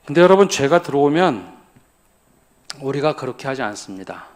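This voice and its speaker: A man's voice: mid-range voice, big pitch swings, moderate pace. A male pastor preaching at a midweek church prayer service, often putting questions to the congregation and then answering them himself. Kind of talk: sermon.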